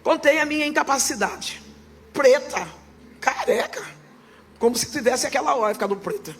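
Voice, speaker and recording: A woman pastor giving her testimony in church, her fervent preaching swelling into loud proclaiming. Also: high-pitched, expressive, normal speed, a little hiss or hum.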